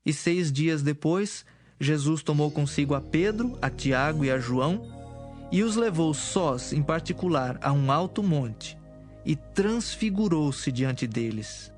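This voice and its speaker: A man reads scripted Bible narration in a measured and solemn way. His voice is fairly high for a male narrator, and soft music plays behind him. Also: lively intonation.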